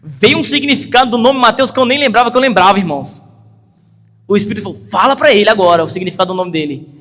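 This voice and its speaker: A man's voice: high voice, animated, quick pace, fairly bright tone. A man with a Brazilian Portuguese accent preaching a sermon, telling a story earnestly and building to urgent emphasis. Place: church hall. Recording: long hall reverb with faint music.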